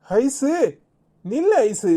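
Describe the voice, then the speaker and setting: A woman voicing a calm village husband in a cartoon, with a Tirunelveli Tamil accent, speaking slowly and soothingly. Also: high-pitched, a little hiss or hum, voice pushed down, full character voice. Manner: slow, soothing. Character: calm village husband, gentle adult man.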